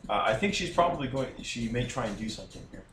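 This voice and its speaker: A man playing a tabletop game, talking things through casually in a halting, deliberative way. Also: mid-range voice, lively intonation, recorded from a distance. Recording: echoey room, off-mic, faint noise.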